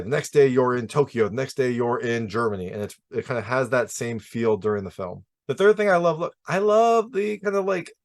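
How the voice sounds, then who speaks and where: Casual man giving an emphatic movie review. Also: mid-range voice. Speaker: film reviewer and host.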